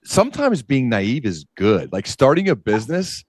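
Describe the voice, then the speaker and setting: A man's voice: medium pitch, huge pitch swings, moderate pace, no room sound. A man hosting an interview in a casual, conversational way, curious and thinking aloud as he frames his questions. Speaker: podcast host, interviewer.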